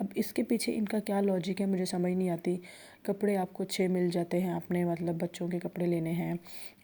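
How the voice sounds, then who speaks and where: A woman speaks at medium pitch with a dark, mellow tone, monotone, flat intonation and very even loudness. The recording is very clean, with a silent background. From Pakistan. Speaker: vlogger. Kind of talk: casual vlog talk.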